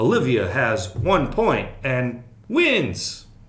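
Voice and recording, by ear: Using a put-on character voice at a medium pitch, a man speaks very slowly with audible echo.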